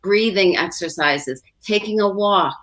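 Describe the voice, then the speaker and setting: A woman's voice: medium pitch, measured pace, fairly bright tone, rough recording. A woman co-hosting a livestream talk show, chatting casually and giving practical advice with personal examples, full of fillers.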